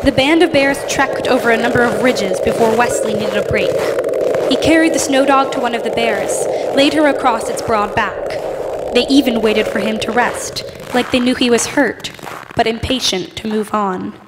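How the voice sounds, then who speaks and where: Behind loud noise, a young woman in her teens narrates a scripted radio play. Her voice is on the high side, and she tells the story deliberately. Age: teenager. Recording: very noisy live stage recording.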